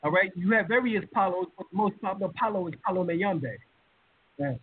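A man's voice: sits high, a little fast, husky. A man hosting a live-stream lecture, talking casually with lots of fillers and building emphasis. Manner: emphatic, with many fillers and rising heat. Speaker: lecturer and show host. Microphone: video call. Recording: tinny phone-like line.

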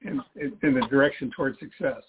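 An older man, a guest author on a radio interview, talking in a halting, easygoing way with frequent restarts. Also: medium pitch, background noise. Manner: halting, repeats himself, easygoing humor. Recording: tinny phone-line audio.

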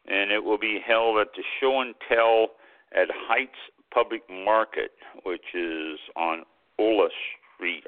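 A low-voiced winemaker hosting a wine radio talk show reads announcements in casual radio talk, heard over a tinny landline phone line. He reads haltingly, with many "uh" fillers.

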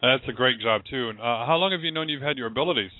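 A man hosting a show, relaxed and upbeat in casual interview talk. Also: medium pitch, fast talker, no room sound. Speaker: show host. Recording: dry tinny phone line.

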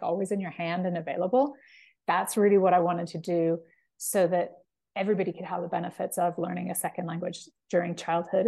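Enthusiastic woman founder as interview guest; voice a bit croaky, talk full of restarts. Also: fairly low pitch, mellow. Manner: enthusiastic, with frequent restarts and fillers. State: slightly croaky voice. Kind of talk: interview conversation.

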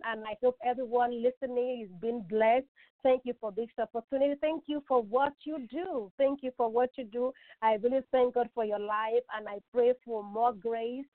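A woman with a Nigerian accent, speaking as a guest in a joyful, prayerful manner and laughing easily. Her voice is a little high. The call sounds dry and tinny, with the narrow sound of a phone. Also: no room sound. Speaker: guest, pastor's wife and author. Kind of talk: interview answers.

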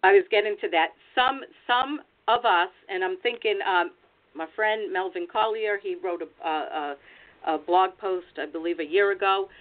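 Woman, American, explanatory advice-giving tone, mid-range voice, thin phone-like call audio. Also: mid-range voice. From United States. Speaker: genealogy researcher and presenter. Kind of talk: informative webinar talk.

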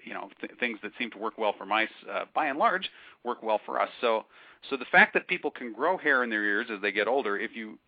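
A man with a fairly low voice talks through science news in a thoughtful, explaining way, often circling back to restart a phrase. His voice sounds dull and lo-fi, with a dry, close, roomless sound. It comes across as a casual podcast chat. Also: expressive, fairly quick, no room sound. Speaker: podcast co-host. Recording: dull lo-fi call audio.

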